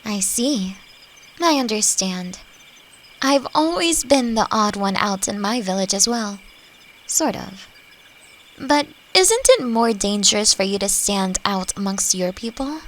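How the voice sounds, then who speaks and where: A woman playing a friendly, playfully teasing elf who teaches magic, speaking gently and reflectively in a roleplay audio drama. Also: mid-range voice, lively intonation, unhurried, slight background noise, lightly acted. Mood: concerned. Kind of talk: scripted roleplay audio drama addressed to the listener.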